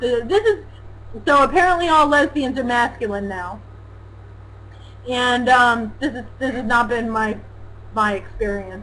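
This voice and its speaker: Someone is shouting loudly at a fairly slow pace. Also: woman. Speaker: live show co-host. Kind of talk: casual chat. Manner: loud, sounds like yelling.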